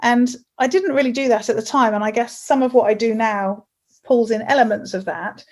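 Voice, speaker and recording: A chatty woman hosting an interview, with a somewhat high voice. She laughs easily and often restarts her sentences as she asks questions and shares her own experiences. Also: steady tone, fairly quick, a little mellow. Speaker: host. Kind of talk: casual interview.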